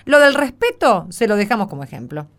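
A woman's voice: medium pitch, big pitch swings, fairly quick, natural voice. An actress playing a frank, spirited neighborhood woman in a radio play, emphatic and wry. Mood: firm. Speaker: actor in radio drama. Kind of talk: Spanish-language radio theatre acting.

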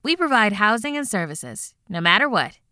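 A cheerful housing caseworker speaks in a bright, crisp voice with lively pitch. She reassures the caller and stays businesslike. The sound is dry and close. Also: moderate pace, dry recording. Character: upbeat adult woman housing caseworker. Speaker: housing phone agent.

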